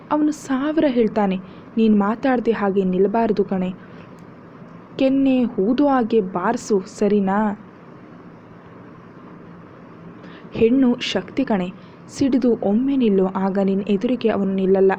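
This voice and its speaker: A woman's voice: medium pitch, a little slow, lightly acted. A woman voicing a protective, devoted young husband who speaks firmly, on a dull lo-fi recording with faint hiss. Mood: comforting. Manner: firm and scolding, then soft and tender.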